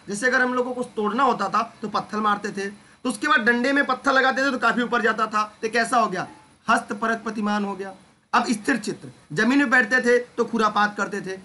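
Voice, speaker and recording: A young man teaching an online exam-prep class who talks lively and keeps putting questions to his students. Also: extremely high pitch.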